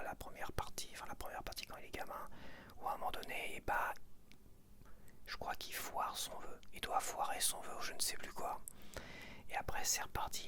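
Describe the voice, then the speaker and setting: A man from France whispering breathily in a casual, halting ASMR ramble, intimately addressing a single viewer as host.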